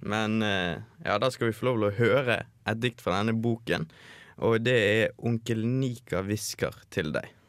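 A man's voice: fairly low pitch, no echo, clean studio sound. A man hosting a radio segment, presenting items casually with fillers. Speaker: radio host.

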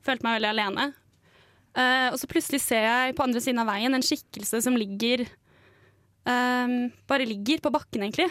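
A woman's voice: a little high, a bit bright, dry recording, studio quality. A young woman, co-hosting a radio show and telling a story in a casual chat. She laughs often and uses many fillers. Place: radio studio.

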